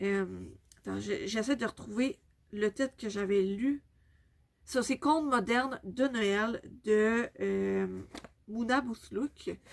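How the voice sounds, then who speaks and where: Speaking in a Quebec accent, a woman talks at a very slow pace with long, frequent pauses. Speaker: book vlogger. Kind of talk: casual vlog chat. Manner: halting, many fillers.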